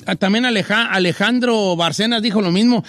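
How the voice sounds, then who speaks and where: A man's voice: sits high, brisk, a bit bright, no echo. A man with a Mexican accent chatting casually as a show host, with a playful, emphatic, slangy way of talking. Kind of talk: casual chat, reading listener messages.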